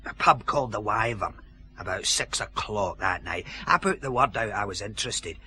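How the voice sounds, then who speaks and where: A sly, chuckling old Glasgow ex-housebreaker in a radio detective play. His voice has a sharp, bright edge and rises and falls a lot. He speaks with a Scottish accent and wheedles for drinks. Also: lowish voice, animated, normal speed, slight background noise. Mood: wheedling. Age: older. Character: wily old Glasgow ex-burglar, fond of whisky. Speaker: dead woman's uncle, ex-housebreaker. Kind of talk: radio drama acting.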